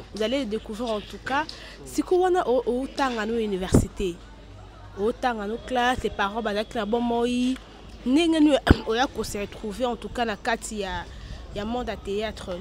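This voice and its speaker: A woman interviewer with a hoarse voice from a cold, asking loose, rambling questions outdoors. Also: fairly high pitch. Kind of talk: interview questions, French and Lingala.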